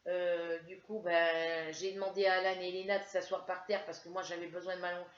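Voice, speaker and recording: A woman from France, a crafts vlogger, speaks briskly in a lowish, flat voice as she chats to camera. Though ill with a headache, she tells a rambling story full of hesitations, recorded in a roomy, dull lo-fi home setup.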